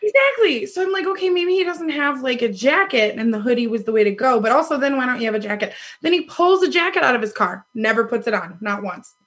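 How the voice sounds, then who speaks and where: Husky woman telling a lively story. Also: high-pitched, fast talker, hardly any pauses. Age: 30s. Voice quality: loud voice. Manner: animated, laughs often, acts out quoted lines. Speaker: podcast guest telling a dating story. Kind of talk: casual storytelling chat.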